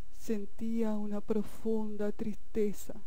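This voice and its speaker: Recorded dry with no echo, a woman speaks in monotone, flat intonation. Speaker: radio announcer, actress. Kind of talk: poetry reading. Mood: sorrowful, soft, intimate. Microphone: studio mic.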